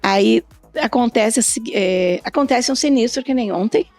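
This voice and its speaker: A woman's voice: a little high, moderate pace, darkish tone, no room sound, soft background music. A middle-aged or older woman chatting as a podcast guest, telling stories and acting out quoted exchanges. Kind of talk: casual conversational interview, anecdotes.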